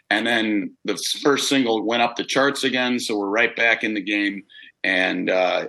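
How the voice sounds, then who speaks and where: A rock singer answering interview questions in a relaxed, rambling way, with a big-sounding voice and plenty of fillers. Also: male voice, lowish voice, poor audio.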